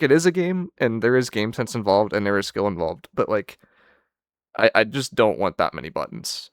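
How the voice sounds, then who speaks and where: Guy doing a casual gaming channel goodbye, kinda bummed and resigned, clean smooth voice, dry close sound. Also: on the low side, no echo. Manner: downcast, wistful, sighing resignation. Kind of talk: casual unscripted farewell commentary on a video game.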